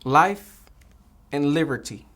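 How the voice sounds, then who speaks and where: A man's voice: fairly high pitch, expressive, slow pace, a bit bright. A man playing a citizenship applicant in a mock interview, giving short, plain answers with small hesitations.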